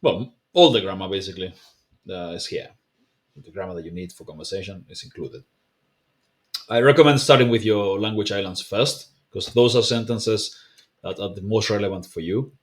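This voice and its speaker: A man whose first language is not English, explaining a language practice method to camera in a relaxed, conversational way with frequent fillers and self-corrections. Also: lowish voice, normal speed. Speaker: language teacher. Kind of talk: casual explainer video, talking to camera.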